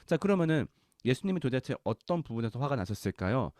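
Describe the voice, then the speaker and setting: A man's voice: medium pitch, very animated, quick pace, darkish tone, no room sound, studio quality. A man teaching a Bible lesson in a conversational way, asking the listeners questions and acting out quotes. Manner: conversational, acts out quotes, asks the audience questions. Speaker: Bible study lecturer.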